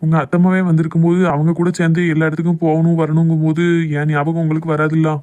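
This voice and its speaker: A man's voice: fairly high pitch, completely flat delivery, fast, noisy background, close to an everyday voice. A man playing a hurt, jealous young lover in a cartoon love drama, with a southern Tamil Nadu accent. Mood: hurt, sarcastic.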